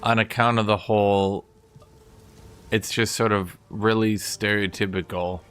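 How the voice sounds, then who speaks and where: A man's voice: lowish voice, fairly even intonation, unhurried, fairly bright tone, clean tone, soft background music. A man streaming a game, chatting casually and rambling to his viewers. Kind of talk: casual chat while gaming.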